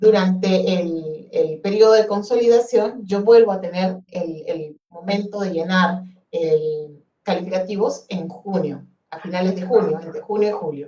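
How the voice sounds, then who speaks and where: A woman's somewhat breathy voice, dark and mellow in tone, swings widely in loudness. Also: medium pitch for a woman, ordinary pitch variation. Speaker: education official. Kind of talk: webinar presentation. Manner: fast.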